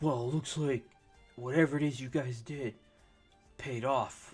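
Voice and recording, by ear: A gruff, growling put-on character voice speaks at a fairly slow pace over faint background music. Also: man, medium pitch for a man.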